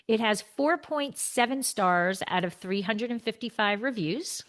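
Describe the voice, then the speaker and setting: A woman with a New Jersey accent hosting a casual podcast chat, reading reviews aloud in a halting way and laughing often. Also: a little high, expressive, a bit bright. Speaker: podcast host.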